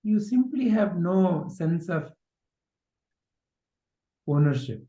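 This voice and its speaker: A man's voice: high voice, expressive, slow pace, mellow. A man giving a spiritual discourse, asking rhetorical questions and repeating phrases for emphasis. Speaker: spiritual teacher. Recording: echoey room sound.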